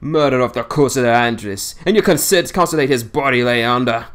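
A man's voice: medium pitch, expressive, a little fast, a bit bright, natural voice. A man voicing a boastful, grumbling old seaman in broad dialect, in an audiobook reading. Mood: reminiscing. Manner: broad dialect, scornful ranting.

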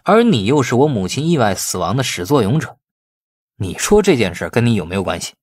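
A man's voice: medium pitch, very animated, fairly quick, slightly rough, no room sound, studio quality. A man voicing a glib, cunning young man in an audiobook, wheedling and feigning innocence with false earnestness. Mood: mock earnest.

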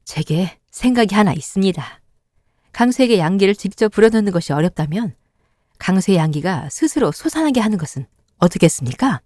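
A woman's voice: mid-range voice, expressive, brisk, darkish tone, no room sound, studio quality, lightly acted. A woman voicing a proud, defiant woman in black with a stern, dignified manner. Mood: formal.

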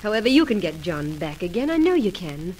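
A woman's voice: fairly low pitch, sing-song, brisk, a little mellow. A woman playing a frank, loyal best friend in an old radio soap, plain-spoken and encouraging, on a noisy old recording. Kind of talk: 1940s radio soap acting.

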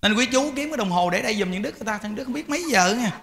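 A man's voice: high-pitched, animated, rapid-fire, creaky, a bit bright, a little hiss or hum. A man, a Buddhist monk, giving an informal, emphatic dharma talk to lay followers. He repeats words and often speaks to his listeners directly.

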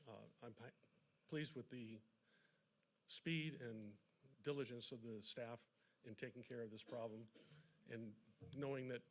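Male public commenter, medium pitch, deliberate and halting, plainly formal. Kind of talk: public remarks in a formal but plain register. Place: city council meeting room, at public podium.

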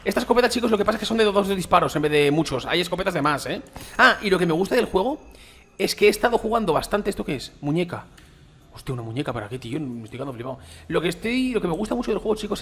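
A man's voice: on the high side, a bit bright. A man from Spain with a Spain Spanish accent, casually commenting on a game as he plays it, slangy and chatty, talking straight to his viewers. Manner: chatty, slangy, addresses viewers as "chicos" and "tío". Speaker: gaming YouTuber.

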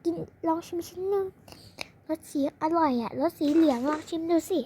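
A child voicing a gentle, doting mother of two girls, coaxing and scolding softly in a pretend play. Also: extremely high pitch, moderate pace, a little hiss or hum. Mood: soothing.

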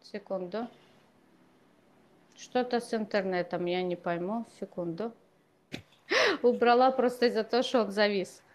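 A woman's voice: mid-range voice, unhurried, pauses often. A woman in her thirties hosting a casual live stream from a room at home, talking with callers through an earphone mic.

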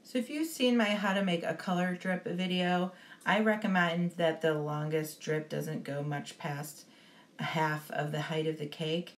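A woman giving a relaxed, step-by-step baking lesson as a voice-over, with frequent ums. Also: lowish voice, measured pace. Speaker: baking instructor. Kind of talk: instructional voice-over.

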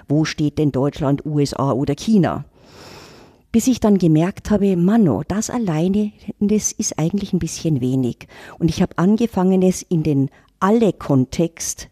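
Middle-aged woman on a podcast, low mellow voice, reflective storyteller. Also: no room sound, studio quality. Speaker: intercultural trainer, guest. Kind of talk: casual podcast talk.

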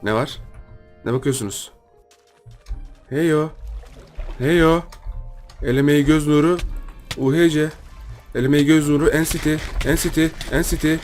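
A young man giving casual commentary on his own gameplay, talking to himself and his viewers and repeating words in quick bursts when excited. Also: on the high side, soft background music. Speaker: gaming YouTuber.

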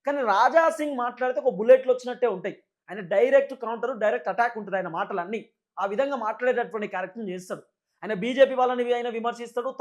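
Male political commentator, Telangana Telugu accent, very high voice, rapid delivery, emphatic and repetitive explaining. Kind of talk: unscripted political news commentary.

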